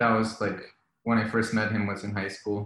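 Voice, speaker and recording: This man has a fairly low pitch and speaks with an American accent. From Miami, Florida. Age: 30s. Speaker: musician. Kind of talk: casual chat.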